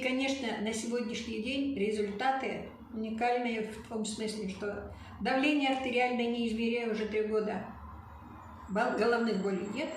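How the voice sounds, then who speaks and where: Woman, testimonial, animated, halting, echoey room, distant from the mic, faint noise. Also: a little high. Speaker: neurologist giving a testimonial.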